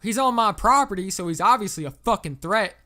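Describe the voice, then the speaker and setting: A man voicing an angry, belligerent Southern American property owner with a thick drawl, swearing and shouting. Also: high voice, fairly even intonation, moderate pace, smooth. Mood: pissed off. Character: furious foul-mouthed Southern male property owner, drunk and trigger-happy.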